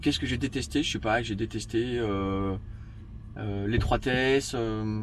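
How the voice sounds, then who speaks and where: A man's voice: on the low side, a little slow, slight background noise. A man in his fifties from the Paris suburbs, talking reflectively in a casual personal interview and often searching for his words. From France, Paris western suburbs. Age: 50s. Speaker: interview guest, magazine editorial director.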